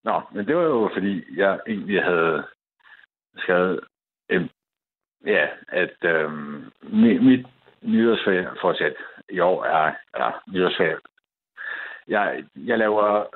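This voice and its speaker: A man's voice: sits low, lively intonation, pauses often, slightly rough. A man calling in to a radio show, hesitant and self-deprecating, with many fillers. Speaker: caller. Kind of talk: call-in radio chat. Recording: tinny phone line.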